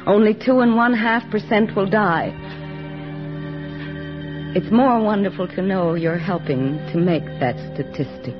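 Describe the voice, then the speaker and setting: An actress playing a thoughtful young army nurse who narrates in a 1940s radio drama. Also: female voice, mid-range voice, unhurried, natural voice. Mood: reflective. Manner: reflective, soft-spoken narration. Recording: dull old radio recording with music.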